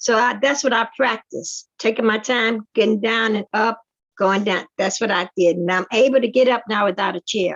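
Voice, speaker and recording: Using a plain, everyday voice, a woman talks at a moderate pace with a fairly high pitch and fairly even intonation. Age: 60s. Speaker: class participant, retiree. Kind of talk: casual chat.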